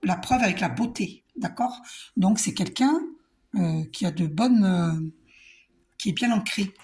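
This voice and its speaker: A woman doing a calm, reassuring spiritual card reading. She talks to the viewer, repeats herself and uses many fillers. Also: mid-range voice, measured pace. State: coughing a little. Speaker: card reader.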